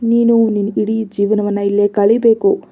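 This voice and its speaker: A woman's voice: medium pitch, flat delivery, moderate pace, close to an everyday voice. A woman voicing a cruel, possessive young man who threatens and mocks in a storybook narration. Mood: menacing. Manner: threatening, mocking. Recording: slightly dull lo-fi audio.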